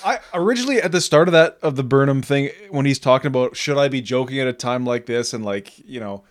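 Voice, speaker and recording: A man's voice: medium pitch, expressive, fast talker. A man in his early thirties in casual movie talk, informal and emphatic in how he puts things. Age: early 30s. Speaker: podcast participant talking about film. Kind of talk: casual conversation about movies.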